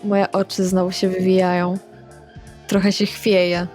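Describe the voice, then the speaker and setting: A woman's voice: on the low side, level tone, a little slow, a little mellow. A woman playing a tabletop role-playing game, casually speaking in character and describing her actions. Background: music.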